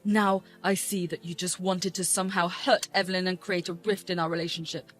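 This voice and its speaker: A betrayed grown son, as a voice actor plays him confronts his mother in outrage, in a middle-pitched voice. Faint music plays underneath. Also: little pitch movement, a little fast, fairly bright tone, lightly acted.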